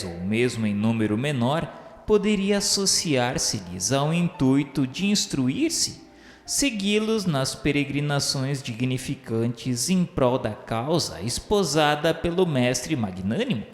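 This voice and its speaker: A man with a Brazilian accent playing a solemn spirit who recounts his memoirs in formal, measured radio novel narration. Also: medium pitch. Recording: echoing hall reverb over music.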